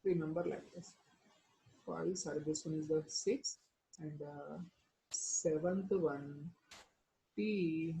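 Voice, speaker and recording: A woman's voice: low voice, takes it slowly, creaky, pauses often, mellow, low-quality recording. South Asian woman teaching step by step. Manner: addresses students with prompting questions and tag words. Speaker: chemistry teacher. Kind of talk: instructional lesson, explaining formulas step by step.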